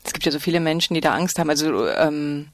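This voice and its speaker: A man's voice: fairly high pitch, quick pace, no room sound, clean studio sound. A man hosting an interview, who agrees readily and prompts his guest with short questions. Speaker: podcast host. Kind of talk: conversational interview.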